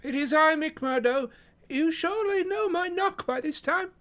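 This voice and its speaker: High-pitched, fretful Victorian gentleman. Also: unhurried, heavily acted. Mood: insistent. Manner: fretful, genteel. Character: helpless, fussy, pleading gentleman in Victorian mystery.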